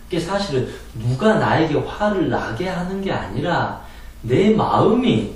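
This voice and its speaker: A man's voice: fairly high pitch, very animated, measured pace, slight background noise. Man lecturing in a very echoey room. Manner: earnest, explanatory, rhetorical questions, acts out quoted pleas. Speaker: meditation and hypnosis lecturer. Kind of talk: spoken lecture on calming anger. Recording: very echoey room, distant mic.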